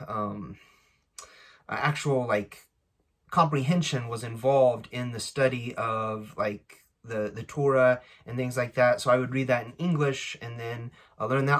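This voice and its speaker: Casual man introducing himself, halting delivery. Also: mid-range voice, a bit bright. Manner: halting, searching for words. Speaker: language-learning channel host. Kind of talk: casual unscripted introduction to camera.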